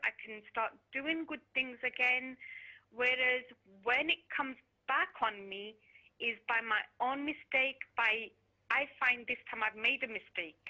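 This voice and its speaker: Against a quiet background, a woman speaks at a fairly slow pace in a high pitch with ordinary pitch variation. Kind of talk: radio call-in caller. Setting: phone line. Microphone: phone line.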